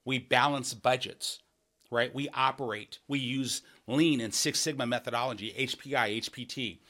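A man's voice: medium pitch, moderate pace, sharp tone. A man in a mid-range voice delivers a podcast monologue about his campaign. His tone is earnest and emphatic, and he keeps circling back with rhetorical "right?" checks. Phrases restart as he builds each point. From Washington State. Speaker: political candidate hosting a podcast.

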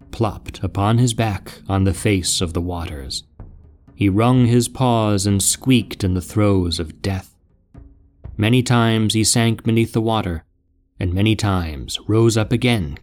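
A man narrating an epic tale in a grave, measured storytelling manner. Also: lowish voice, darkish tone.

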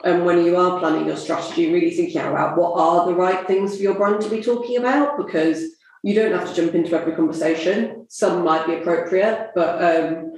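A woman with a southern English accent co-hosting a casual marketing chat, talking with frequent fillers and pauses. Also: fairly low pitch, steady tone, darkish tone. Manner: hesitant, many fillers. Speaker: podcast co-host. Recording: echoey room.

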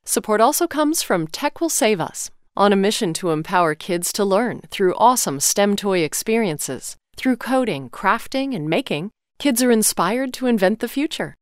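A woman reading scripted sponsor messages in a clean, even way. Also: mid-range voice, moderate pace, hardly any pauses, clean tone, no room sound, studio quality. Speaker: sponsor announcer.

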